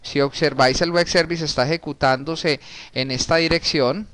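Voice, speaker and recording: A man, teaching a programming class in a relaxed way while working on screen. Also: on the high side, moderate pace, no echo. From Colombia. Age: 30s. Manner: casual, talks while typing, frequent restarts and diminutives. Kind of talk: recorded screen-share coding lesson.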